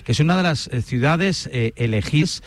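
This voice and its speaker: A man from Spain hosting a relaxed radio interview, chatty and rambling with many fillers. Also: fairly high pitch, moderate pace, no echo. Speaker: host.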